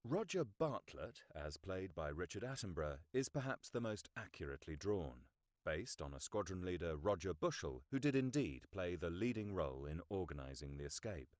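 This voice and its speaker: A middle-aged man narrates nonfiction with a low-pitched voice and very varied intonation. His delivery is formal, articulate and measured. The sound is close and dry, with hardly any room in it. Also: sing-song, darkish tone, no room sound. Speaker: audiobook narrator. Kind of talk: scripted nonfiction audiobook narration.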